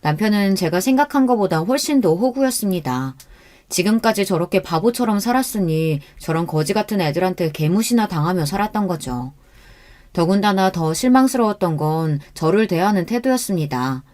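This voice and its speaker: A woman reads a first-person life story as scripted narration. Her telling is steady and earnest, in the manner of a radio story reading. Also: mid-range voice, fairly quick.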